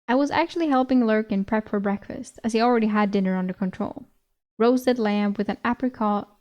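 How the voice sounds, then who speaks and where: Woman, fairly high voice, giggly novel reader, chatty asides. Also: darkish tone. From Sweden. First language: Swedish. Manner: giggly, breaks off to laugh and comment. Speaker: streamer reading a novel aloud. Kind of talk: novel reading with chatty commentary.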